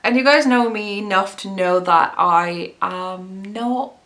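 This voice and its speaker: A woman's voice: medium pitch, takes it slowly, fairly bright tone. A young woman hosting a knitting video podcast, chatting in a rambling, self-deprecating way. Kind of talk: casual vlog chat.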